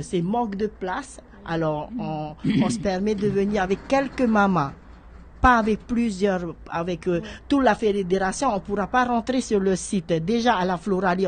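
Middle-aged lady on a studio mic, stumbles and repeats words, mid pitch. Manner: hesitant, repeats words while searching for them. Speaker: guest, horticulture association president. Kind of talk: radio studio interview. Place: radio studio. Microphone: studio microphone on a stand.

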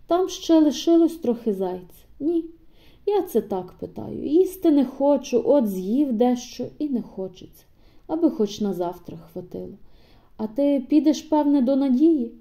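A woman reads an old peasant man, weary and gentle with his wife. He speaks in a quiet, halting way. The voice is mellow and dark, set slightly high. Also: animated. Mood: weary, tender. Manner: quiet, halting farewell speech.

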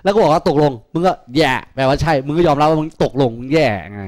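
A man's voice: fairly high pitch, quick pace, darkish tone. Joking man tutoring in a classroom. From Thailand. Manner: joking, crude, teasing students. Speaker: math tutor. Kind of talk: classroom lecture.

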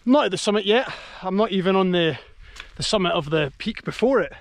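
A man's voice: high voice, lively intonation, brisk, dry recording. An enthusiastic, awestruck man casually narrating his hike outdoors in an exclamatory way. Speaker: hiking vlogger. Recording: noisy outdoor handheld recording.

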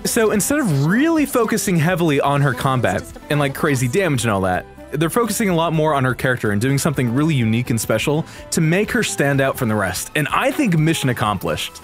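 A man hosting a reaction video, talking casually and excitedly with exaggerated enthusiasm and frequent swearing. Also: on the high side, fast, hardly any pauses, faint music behind. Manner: hyperbolic, casual, heavy swearing. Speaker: video host reacting to game trailers.

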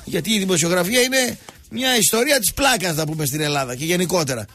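A man hosting a sports talk show, ranting sarcastically and mocking people, going from loud outbursts to low muttering. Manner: sarcastic, mocking, switches between shouting and muttering. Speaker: radio sports talk host. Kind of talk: ranting monologue.

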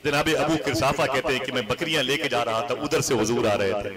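Man preaching to a huge crowd, dramatic storyteller, keeps getting the crowd to shout back, loud crowd noise all around. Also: fairly quick. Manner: dramatic storytelling, rising to impassioned high cries, calls on the crowd to respond. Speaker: Islamic preacher. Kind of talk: emotional religious sermon to a live gathering.

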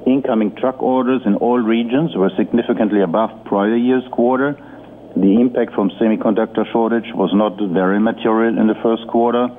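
Male executive for an earnings call: lowish voice, formal, hesitant delivery, heard over a thin telephone connection. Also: steady tone, brisk. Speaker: company executive. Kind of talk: prepared earnings-call presentation. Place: conference call line. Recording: muffled phone-line audio with noise.

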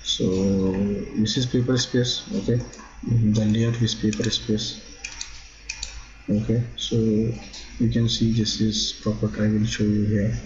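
Man, fairly low voice, halting tutorial talk, repeats okay, dull lo-fi computer mic. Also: little pitch movement, darkish tone, slight background noise. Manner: halting, repeats "okay" often, non-native phrasing. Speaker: drafting instructor. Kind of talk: screen-recorded software tutorial. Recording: dull lo-fi sound.

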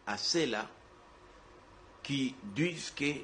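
Male guest, measured studio debate delivery, mid pitch, faint noise under a TV clip. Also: expressive, fairly bright tone. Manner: deliberate, searching for names with many hesitations.

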